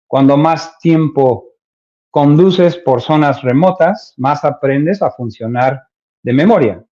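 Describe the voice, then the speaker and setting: Speaking very slowly with an English accent, a man has a fairly high voice. His tone is dark and mellow, with ordinary pitch variation. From Mexico. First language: English (speaking Spanish). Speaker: theologian speaker. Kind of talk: lecture.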